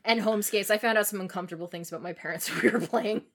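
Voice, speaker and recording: A woman co-hosting a podcast, giving the news in casual chat with quick, chatty asides. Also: mid-range voice. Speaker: podcast co-host.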